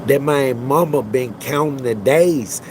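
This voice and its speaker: A man's voice: mid-range voice, measured pace, background noise. A man hosting a livestream, talking bluntly and with lots of profanity in casual commentary. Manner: blunt, profane, emphatic street talk. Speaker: livestream host.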